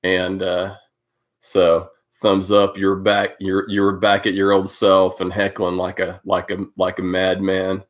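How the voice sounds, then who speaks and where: A man with a very low voice, stuffed up from a cold, hosts a casual live stream into a close webcam at home. He rambles loosely, greeting viewers one by one with plenty of "um"s and "uh"s. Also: completely flat delivery, takes it slowly. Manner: rambling, greeting viewers by name, many fillers. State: congested from a cold. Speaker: host of a live cycling update stream.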